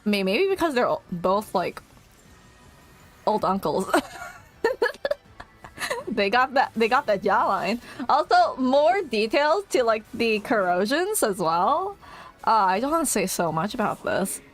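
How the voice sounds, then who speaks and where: A woman streamer chatting casually and excitedly as she reacts, rambling with plenty of fillers and giggles. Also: fairly high pitch, measured pace, long pauses, faint music behind.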